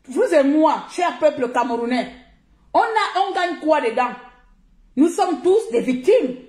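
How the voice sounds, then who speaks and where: A woman's voice: high-pitched, big pitch swings, measured pace, a little mellow. A woman from Gabon giving a heated, confrontational rant on a live stream, scolding her viewers and repeating herself for emphasis, recorded on her phone. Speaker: social media live streamer. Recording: echoey room.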